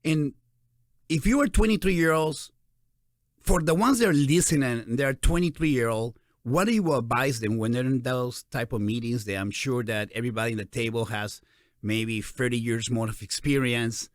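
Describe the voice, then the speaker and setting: A man in his forties with a Peruvian Spanish accent, hosting a casual interview in an animated, encouraging way. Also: medium pitch, normal speed, no room sound, studio quality. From Peru. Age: 40s. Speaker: interview host.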